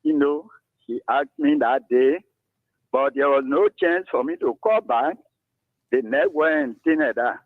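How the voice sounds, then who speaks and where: A man in his seventies with a Liberian English accent, calling in to a radio talk show and speaking slowly about himself. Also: fairly high pitch, no echo. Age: 70s. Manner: slow, lively rises and falls, gravelly. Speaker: caller. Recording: tinny dry phone line.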